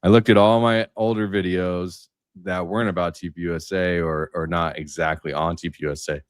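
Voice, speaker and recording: A man's voice: deep voice, little pitch movement, fairly quick, dry recording, studio quality. A man talking casually as a panelist and content creator on a livestream roundtable.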